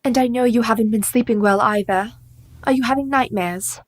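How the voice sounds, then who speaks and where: An actress playing a caring, composed young woman who speaks in steady, formal period English in a radio play. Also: on the high side, a little fast, dry recording, close to an everyday voice. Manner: steady, reassuring, formal speech.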